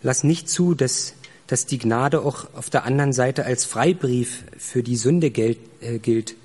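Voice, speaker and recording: A man preaching a sermon, speaking earnestly and directly to the listener, slowing down for emphasis. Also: medium pitch, darkish tone, breathy edge, long reverb tail.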